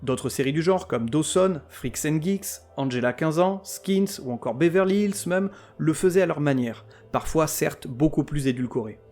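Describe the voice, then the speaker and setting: A man's voice: fairly high pitch, expressive, normal speed, hardly any pauses, a little mellow. A man hosting a podcast who reviews TV series in a scripted comic style, full of sarcasm, crude words and mock outrage. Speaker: podcast host.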